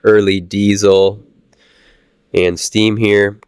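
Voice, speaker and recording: Midwest guy narrating train show stuff, kinda low voice, lots of uh's, getting over a cold, dry close mic. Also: clean tone, no room sound. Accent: Midwestern American. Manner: relaxed, halting with many "uh" fillers. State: recovering from a cold. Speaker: channel host touring a train show. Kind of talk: casual walkthrough narration.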